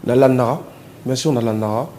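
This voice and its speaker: A male musician being interviewed, talking in a relaxed, hesitant way and slipping in Lingala words. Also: mid-range voice, fast talker, slight background noise. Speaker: musician guest. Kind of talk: casual interview talk.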